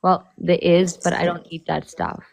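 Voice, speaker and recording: A woman from South Africa in her thirties hosts a relaxed live chat, laughing easily and rambling through stories. Her voice is low and gravelly. A faint hiss sits under the recording. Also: moderate pace. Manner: laid-back, laughing, loose storytelling. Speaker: livestream host. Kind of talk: casual chat.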